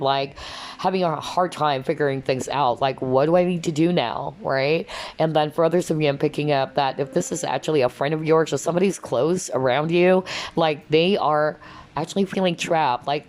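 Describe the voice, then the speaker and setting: A woman giving a casual tarot card reading, rambling and repeating herself, her voice going hoarse from talking for hours. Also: deep voice, a little mellow. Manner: rambling, repeats "that's what I'm hearing".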